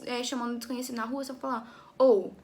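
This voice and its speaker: A woman's voice: a little high, level tone, racing. A young woman teaching an English lesson to her students, chatty, often checking in with her class and restarting her sentences.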